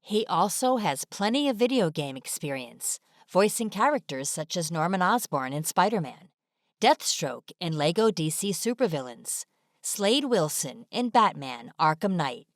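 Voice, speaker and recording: A woman's voice: on the low side, sing-song, measured pace, dry recording, clean studio sound. A woman reading scripted narration for an online video as a voice-over. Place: close, dry voice-over recording.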